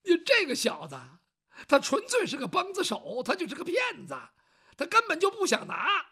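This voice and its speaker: A storyteller voicing a sharp-tongued young servant lad. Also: very high voice, wildly swooping pitch, normal speed, voice pushed up, exaggerated voice. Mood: indignant. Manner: complaining, exclaiming, loud and agitated.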